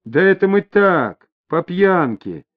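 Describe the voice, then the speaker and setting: A man's voice: on the high side, wildly swooping pitch, measured pace, exaggerated voice. A man voicing a hostile young male thug under police interrogation, who talks rudely in street slang, on a dull lo-fi recording. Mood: sullen, cornered. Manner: rude, snarling street slang. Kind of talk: audiobook character voice. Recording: dull lo-fi audio.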